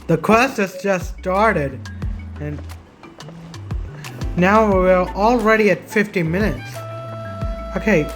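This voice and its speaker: Slow-talking woman gamer, faint music. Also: mid-range voice. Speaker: gaming streamer. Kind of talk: casual gameplay commentary. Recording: faint game music behind.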